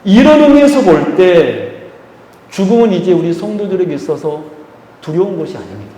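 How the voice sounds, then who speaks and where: Korean pastor preaching in echoey hall. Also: male voice, high-pitched, big pitch swings, dark tone, slight background noise. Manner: emphatic preaching with slow stressed phrases, leading the congregation. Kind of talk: sermon. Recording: echoey church hall, faint ambience.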